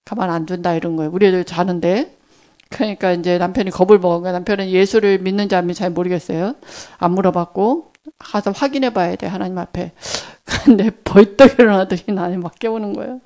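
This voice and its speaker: A middle-aged woman tells her testimony to a congregation in a lively, story-driven way, slipping into quoted dialogue as she goes. Her voice is smooth and clear, sitting at an ordinary pitch for a woman. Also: quick pace. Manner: animated storytelling, acts out quoted dialogue, laughs. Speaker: church member giving testimony.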